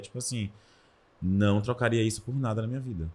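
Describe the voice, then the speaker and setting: This man talks at a very fast pace with a dark, mellow tone and fairly even intonation. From Salvador, Bahia, Brazil; Bahia, Brazil. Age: 20s. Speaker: fashion brand founder; podcast guest. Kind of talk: casual interview chat. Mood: reflective, warm. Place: studio. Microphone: studio mic.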